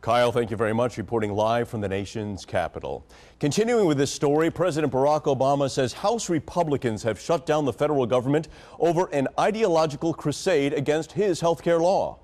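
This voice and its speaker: A young adult man anchoring an evening newscast from a studio desk, reading scripted stories in a measured, formal way. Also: medium pitch, animated, darkish tone. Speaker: news anchor.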